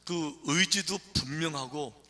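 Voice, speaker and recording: A man's voice: a little high, slow pace, sharp tone. A man preaching a sermon as pastor in a church, talking conversationally to the congregation. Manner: conversational, chatty, with fillers.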